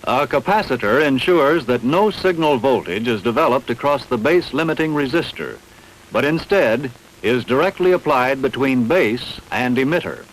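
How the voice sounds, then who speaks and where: A man reading scripted instructional narration in a measured, didactic, carefully enunciated way. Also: medium pitch, animated, rough recording. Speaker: training film narrator.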